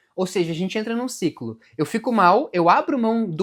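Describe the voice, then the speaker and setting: A man with a slight southern Brazilian accent speaks at a moderate pace with lively intonation. The recording is very clean, with a silent background. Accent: gaúcho (southern Brazilian), slight. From southern Brazil (Rio Grande do Sul). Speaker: self-help video host. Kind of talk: motivational talk to camera. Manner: direct, emphatic.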